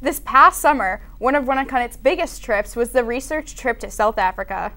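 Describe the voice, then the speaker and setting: A teenage girl anchoring a school news show with bright scripted delivery. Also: a little high, moderate pace. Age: teens.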